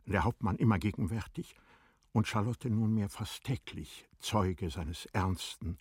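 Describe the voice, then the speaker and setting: A man narrating a literary radio play in a measured, formal storytelling manner. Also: fairly low pitch, darkish tone, slightly rough, no room sound, clean studio sound.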